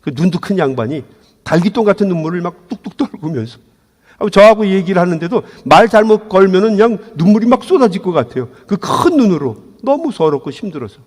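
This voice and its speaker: A man's voice: sits high, big pitch swings, brisk, darkish tone. A male pastor preaching a sermon, telling a story with joking asides. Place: church sanctuary. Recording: long church hall reverb.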